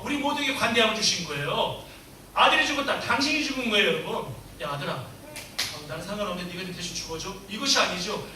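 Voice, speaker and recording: A man with a high, piercingly bright voice preaches emphatically, asking his congregation one question after another. He sounds set back from the mic in a very echoey church hall, with a faint hiss underneath. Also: recorded from a distance. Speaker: pastor. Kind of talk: sermon.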